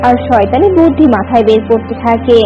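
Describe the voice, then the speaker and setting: A woman's voice: a little high, expressive, a little fast, dull audio, over music. A woman narrator reading a scripted animal fable for a cartoon in storybook style.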